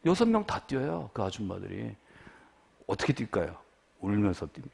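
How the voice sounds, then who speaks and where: A middle-aged Korean male pastor preaching a revival sermon, dropping to hushed asides and then rising into loud, fervent calls to the congregation. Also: lowish voice, animated, normal speed, creaky, husky. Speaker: guest pastor.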